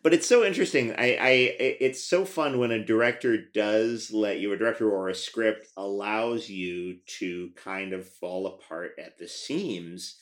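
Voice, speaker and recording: A man with a fairly low voice hosts a podcast and talks with an actor friend. He is wry and playful and swears casually. His talk is relaxed and conversational. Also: measured pace, few pauses. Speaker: podcast host. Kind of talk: casual chat.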